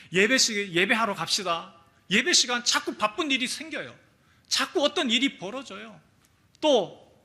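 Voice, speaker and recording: A male pastor preaching a Sunday sermon, telling a story and acting out the people in it. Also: sits high. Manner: animated storytelling, acting out quotes. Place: church sanctuary.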